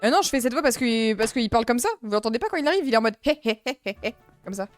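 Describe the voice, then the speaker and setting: A woman's voice: a little high, lively intonation, rapid-fire. Chatty young woman streaming a game. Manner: chatty, rambling, talks to chat. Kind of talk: casual gaming commentary. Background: faint game music.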